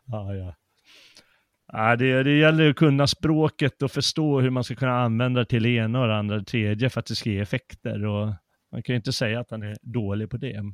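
A man's voice: mid-range voice, no echo, clean studio sound. A man co-hosting a casual chat about poetry, telling stories with lots of fillers and restarts. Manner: animated storyteller with many fillers. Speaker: podcast co-host.

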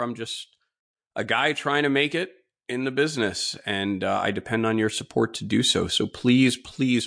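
A man with a mid-pitched voice and a mildly stuffed-up nose speaks alone as a podcast host. He is informal and opinionated, stressing his points with repeated words as he delivers his monologue. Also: vocal fry, fairly bright tone. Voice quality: slightly congested, stuffy nose. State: mild nasal congestion from a cold-like illness.

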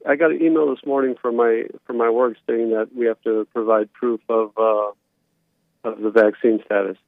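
A man in his thirties calling a talk show by phone, telling a personal account casually and haltingly over a tinny line. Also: mid-range voice, fairly even intonation, creaky, no echo. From born in Romania, later moved to the United States. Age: 30s. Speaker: caller.

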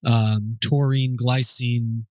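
A man answering listener questions off the cuff at a mid-range pitch, pausing to think and correcting himself as he goes. His voice sits close and dry, with almost no room sound around it. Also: level tone, darkish tone, dry recording, poor audio. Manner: thinking aloud, hesitant, with fillers and self-corrections; informal and explanatory.

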